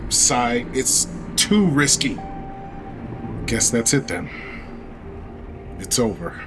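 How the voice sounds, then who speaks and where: Gruff, slow-talking, weary crew leader. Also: male voice, medium pitch, sing-song. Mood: weary, defeated. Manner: blunt, emotive, sighing. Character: gruff, weary male spaceship crew leader, hot-tempered. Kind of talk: audio fiction acting. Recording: music behind the voice.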